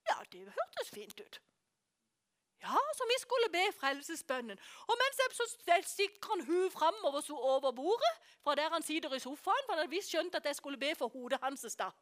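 A woman preaching a sermon, telling a story with animation and dropping to hushed whispers for emphasis. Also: sits high, big pitch swings. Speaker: preacher and course teacher.

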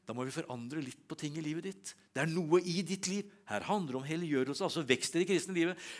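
A man preaching who quotes a calm, gentle divine spirit that urges a believer to grow, in an even, quiet manner. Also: fairly high pitch, lightly acted. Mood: gently urging.

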